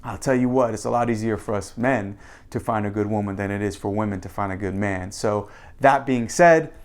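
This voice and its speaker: A man's voice: on the low side, fairly quick. A man giving casual advice in a monologue, speaking in an earnest, confident, conversational way like a coach. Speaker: podcast co-host giving advice.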